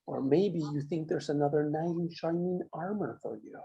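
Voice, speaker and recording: A man acting a menacing mine boss in a drama table read, speaking in measured, condescending threats. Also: on the high side, creaky, dark tone, dull audio. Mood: smug, taunting. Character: menacing, controlling male mine boss, coolly cruel.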